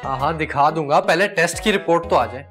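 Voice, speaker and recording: An actor playing a harried son and husband with a Pakistani Urdu accent, scolding in exasperation. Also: male voice, fairly high pitch, fast, fairly bright tone, faint music behind, close to an everyday voice. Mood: soothing. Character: harried grown son caught between mother and wife. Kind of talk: sitcom acting.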